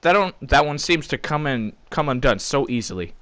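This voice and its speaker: A man voicing a gruff, exasperated police sergeant giving scolding orders in a comic story. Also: mid-range voice, animated, normal speed, fairly bright tone, no echo, pitched above the performer's own voice, close to an everyday voice.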